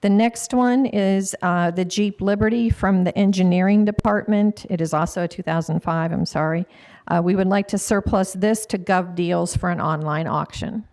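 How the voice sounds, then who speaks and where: A woman's voice: fairly low pitch, moderate pace, a little mellow. An American woman, a county staff member, presenting items informally at a government meeting and correcting herself as she goes. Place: local government meeting room.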